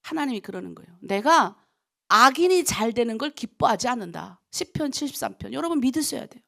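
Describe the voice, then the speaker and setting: A middle-aged woman pastor from North Korea preaches at dawn prayer, her high voice swooping widely up and down. She talks with urgent emphasis, stacking rhetorical questions one after another. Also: very animated, fast talker, creaky, pushed and bright.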